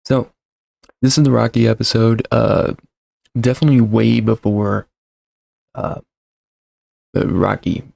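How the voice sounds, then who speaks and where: A man's voice: fairly low pitch, unhurried, vocal fry, pauses often, a little mellow, no room sound. A man in his thirties hosting a casual livestream, rambling and self-deprecating, full of fillers and restarts, talking into a desk mic at home. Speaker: livestream host. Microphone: desk mic with shock mount.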